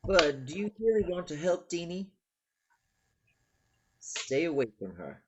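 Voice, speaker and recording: A slightly high male voice with animated pitch movement, an actor playing a concerned man giving advice. It sounds like dialogue read for a screen drama. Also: a little slow, slightly rough, exaggerated voice. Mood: grave, concerned. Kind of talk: virtual table read of a screenplay.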